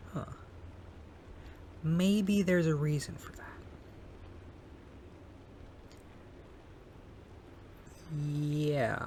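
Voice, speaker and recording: A man's voice: on the high side, vocal fry, slight background noise, exaggerated voice. A man acting a cute, bashful young neighbor with a crush in an intimate ASMR roleplay, hesitant, sweet and teasing. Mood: shy confessing. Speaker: audio roleplay performer. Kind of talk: intimate ASMR romantic roleplay, soft acted monologue.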